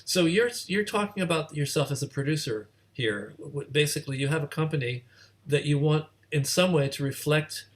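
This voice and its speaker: A man's voice: on the high side, normal speed. Man moderating, hesitant and self-deprecating. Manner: hesitant, self-deprecating, repeats words while thinking aloud. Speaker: host moderating a panel discussion. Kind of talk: informal interview conversation.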